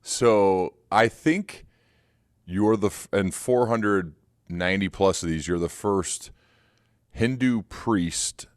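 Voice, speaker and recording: Male interview host, very low voice, measured questioning style, dry recording. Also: no room sound. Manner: thoughtful, reads quotes aloud, asks long questions. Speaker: podcast host. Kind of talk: interview hosting.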